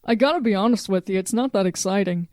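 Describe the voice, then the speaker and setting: Woman acting a brainy female researcher, mellow tone, blunt, matter-of-fact, audio drama, dry sound. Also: medium pitch, fast talker, no echo, lightly acted. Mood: frank, unimpressed.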